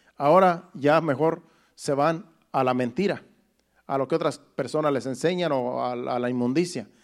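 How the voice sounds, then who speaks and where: A fairly high-pitched man at a fairly slow pace, ordinary pitch variation, in a very clean recording with a silent background. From Mexico, rural. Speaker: pastor. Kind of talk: sermon. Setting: church.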